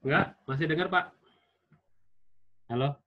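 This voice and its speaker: A man's voice: a little high, a little slow, slight background noise. A man moderating an online meeting, heard through a choppy bad connection on a video call with dull, lo-fi audio. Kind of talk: casual online meeting chat.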